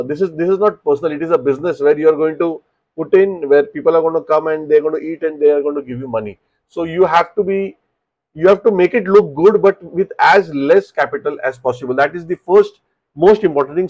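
A man in his thirties with an Indian English accent, giving business advice straight to camera in a small home office, animated and repeating words as he explains. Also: on the high side, dull audio. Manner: animated, gestures with both hands, repeats words while explaining. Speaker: restaurant business coach. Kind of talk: direct-to-camera advice talk.

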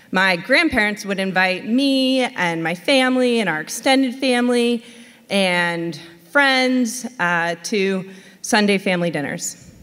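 A woman's voice: medium pitch, a bit bright. A woman from western Massachusetts telling a personal story on stage in a reflective way, with the odd filler. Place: stage in a hall. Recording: long hall reverb.

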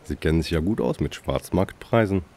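A sarcastic deep police dispatcher. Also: male voice, expressive, fairly quick, mellow. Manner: dry, sarcastic. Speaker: emergency call police officer. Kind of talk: radio play acting.

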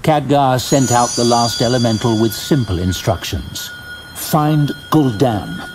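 A man giving dramatic, theatrical scripted narration of a fantasy story, in a measured way. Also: mid-range voice, noisy background.

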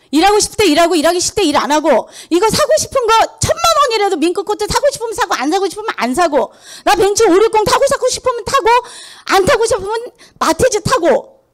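A middle-aged woman delivers a motivational sales lecture with a high, bright voice that swoops up and down. She presses her points with rhetorical questions to the audience and mocks excuses in put-on voices. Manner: acts out quoted excuses in mocking voices. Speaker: sales seminar speaker. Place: lecture hall.

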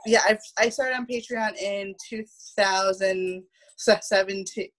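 A woman in her thirties telling stories casually on a video call from home, often halting and repeating the starts of words. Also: mid-range voice, steady tone, poor audio. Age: 30s. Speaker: guest, theatre producer. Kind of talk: casual storytelling in conversation. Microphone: video call, wearing headphones.

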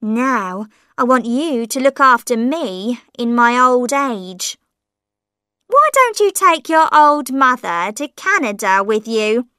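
A woman's voice: a little high, very animated, takes it slowly, pushed and bright, smooth, no echo, clean studio sound, full character voice. A woman voicing an old woman with a painted face who taunts and wheedles her grown son in a storybook reading. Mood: wheedling. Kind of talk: audiobook character voice.

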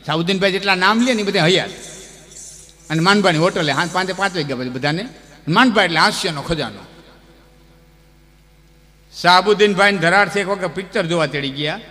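A man telling folk tales on a live stage, lively and chuckling, chanting verses between the stories. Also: sits high, brisk, long pauses. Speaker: folk storyteller. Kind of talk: folk storytelling with recited verse. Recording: long hall reverb with music behind.

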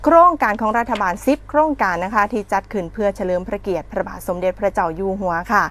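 A woman's voice: medium pitch, fast, fairly bright tone, a little hiss or hum. A woman in her thirties with an Isan accent, anchoring a regional news segment in a chatty, folksy way, recorded in a TV studio on a lapel mic. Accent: Isan (Northeastern Thai). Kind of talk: casual regional news chat.

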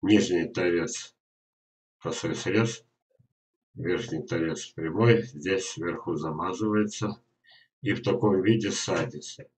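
An older man giving an informal instructional webinar talk, speaking haltingly with drawn-out words and pauses. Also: low voice, poor audio. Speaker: gardener presenting an online lesson. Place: indoors in a small dim room at a computer.

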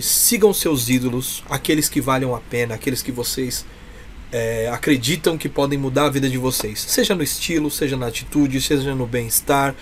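A Brazilian man talks as a guest in an earnest interview, with a mid-range voice. He is emphatic and heartfelt in how he puts things. The webcam call carries some light noise. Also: medium pitch. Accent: Brazilian Portuguese. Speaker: interview guest, clown performer from a humour troupe. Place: small room with a curtain backdrop. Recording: noisy webcam call audio.

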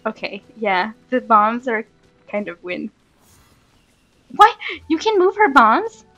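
High-pitched, excitable young-sounding woman gamer. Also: slow, no room sound, dull audio, faint music behind. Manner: excitable, exclaiming, giggly, sing-song humming. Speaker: gaming video host. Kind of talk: casual gameplay chat.

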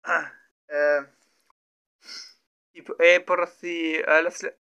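A man working his way through a story in Spanish as a learner, stopping often to fill gaps and correct himself. His voice sits fairly high and sounds bright and smooth. He takes his time, pausing between short bursts. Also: level tone, lo-fi sound. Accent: non-native Spanish learner. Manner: slow, hesitant, many fillers and restarts. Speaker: language learner streaming his practice. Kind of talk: halting improvised practice talk.

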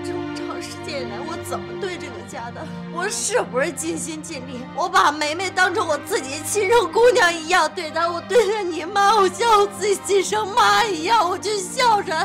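An actress playing a wronged wife in her thirties in a TV drama, shrill, bitter and accusing. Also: moderate pace, few pauses, over music. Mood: furious, wounded. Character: wronged wife, fierce and heartbroken. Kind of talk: TV drama acting.

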